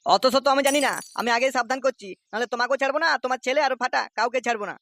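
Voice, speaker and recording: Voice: high-pitched, rapid-fire, fairly bright tone. An actor voicing a blustering, menacing local tough, an angry hectoring father in a comedy cartoon. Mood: menacing, warning. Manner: threatening, hectoring. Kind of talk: comic cartoon dialogue.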